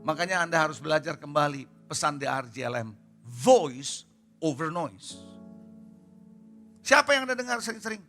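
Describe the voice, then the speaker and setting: At a church service, a pastor preaches in a high, very bright, piercing voice, pressing his points hard and firing rhetorical questions at the congregation. He is animated, speaks at a moderate pace and pauses often, with soft music faintly behind him.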